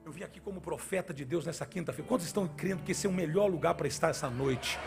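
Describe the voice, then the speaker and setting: A man's voice: a little high, quick pace, vocal fry, music in the background. A male pastor preaching a sermon at a church service, in a fervent, sing-song style.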